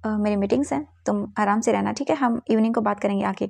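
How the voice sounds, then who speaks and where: A woman voicing a kind middle-aged father who speaks gently and reassuringly but firmly. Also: medium pitch, quick pace, creaky, no room sound. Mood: gentle. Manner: soothing, reassuring.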